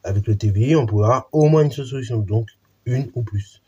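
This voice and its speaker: A man's voice: mid-range voice, quick pace, dark tone, breathy edge, lo-fi sound. A man teaching a math lesson in an informal way, with many fillers and restarts while he explains a theorem.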